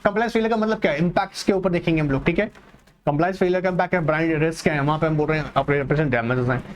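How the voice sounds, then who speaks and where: A man with a fairly high voice runs an online exam-prep class, slowly reading English points aloud and explaining them in a Hindi-English mix while calling students "beta." There's a little hiss or hum in the audio.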